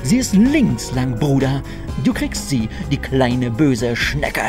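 A man's voice: medium pitch, very animated, slow, music in the background. A man playing a fussy, literal-minded android servant in a comedy audio drama, formal and pedantic in manner. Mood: eager.

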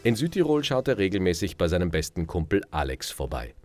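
Deep male narrator over loud music. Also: very animated, fast. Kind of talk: scripted documentary narration.

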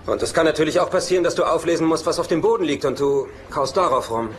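A man's voice: fairly high pitch, fast, close to an everyday voice. An actor dubbing a German sitcom, playing a middle-aged womanizing brother who is smug, glib, sardonic and self-assured. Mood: cocky, teasing. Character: cocky womanizing brother, smug, teasing, worldly. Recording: TV soundtrack with clear background noise.

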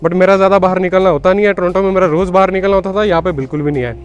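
A man's voice: high voice, steady tone, rapid-fire, highs cut off, soft background music. A young man chatting casually as he vlogs outdoors on a snowy city street, mixing Hindi with English and calling viewers "bhai", recorded on a handheld camera. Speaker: vlogger. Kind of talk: casual walking-tour vlog.

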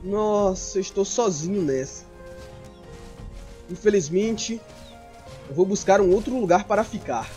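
Excitable Brazilian man narrating gameplay. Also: high-pitched, a little slow, pauses often, faint music behind. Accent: Brazilian Portuguese. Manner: excitable, swings into panicked shouting. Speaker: gameplay streamer. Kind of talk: in-character gameplay commentary.

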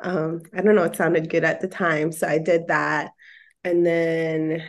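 A chatty woman in her 30s with a lower, unhurried voice and little pitch movement speaks with an American accent. She's from Okinawa, Japan, and the Philippines, and appears as a podcast guest, a bikini bodybuilder and personal trainer, in a casual interview from her home living room. She laughs often and says "like" a lot, heard through an earphone mic on a video call.

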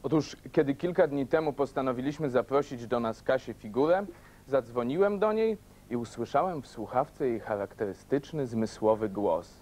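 A young male presenter in a TV studio with an audience, playful and joking as he tells a little story. His voice sits mid-pitch and moves easily. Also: animated, moderate pace, darkish tone. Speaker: TV show presenter. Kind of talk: humorous presenting.

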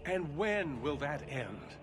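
An actor playing an indignant elven first enchanter in a video game, speaking like an earnest orator. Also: male voice, a little high, big pitch swings, slow, background noise. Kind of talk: dramatic video game acting. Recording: game audio with loud music.

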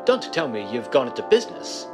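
A man's voice: mid-range voice, very animated, a little fast, over music, close to an everyday voice. An actor playing a genteel, fussy older businessman who speaks formally, in 1930s radio style. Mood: surprised, anxious. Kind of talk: 1930s radio drama acting.

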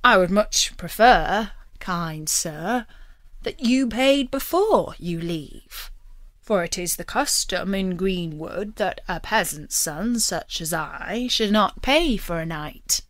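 A woman's voice: mid-range voice, lively intonation, takes it slowly, no room sound. A woman voicing a courteous, generous male outlaw leader in a storybook, with courtly, declarative phrasing. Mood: courteous, firm.

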